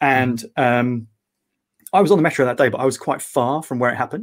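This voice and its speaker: Very fast speech comes from a man with an English accent. His voice sits at medium pitch with ordinary variation. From England. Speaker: author. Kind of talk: casual chat.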